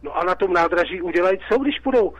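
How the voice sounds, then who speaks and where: Czech guy on a call-in show, kinda high voice, worked up, keeps repeating himself, dry muffled line. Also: animated, no echo. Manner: agitated, repetitive, rhetorical. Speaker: caller. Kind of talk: call-in radio talk.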